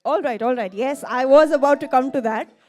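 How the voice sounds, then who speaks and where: Mellow, high-ish woman host. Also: a little fast. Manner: formal, effusive, addresses guests as sir. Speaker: event host. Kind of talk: formal compering. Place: stage at a press event.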